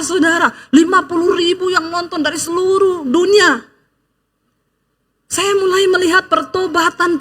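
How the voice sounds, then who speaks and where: With an extremely high-pitched voice, a female pastor preaches energetically, acting out the people she quotes as she tells her stories and cracking jokes along the way.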